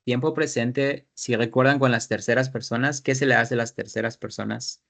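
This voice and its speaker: A man's voice: medium pitch, steady tone, normal speed, vocal fry, a bit bright. A man teaching an English class, explaining grammar in Spanish, repeating his students' sentences and asking guiding questions.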